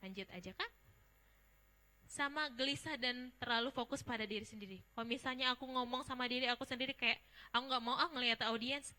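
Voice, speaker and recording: Young woman, bright and a little high, running an informal speaking workshop with audience questions. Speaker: public speaking trainer. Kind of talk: casual workshop talk.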